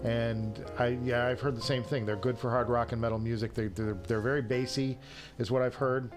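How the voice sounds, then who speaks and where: A man's voice: mid-range voice, little pitch movement, moderate pace. Joking male livestream host over music. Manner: self-deprecating, joking, breaks into chuckles. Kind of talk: casual chat answering viewers' live comments.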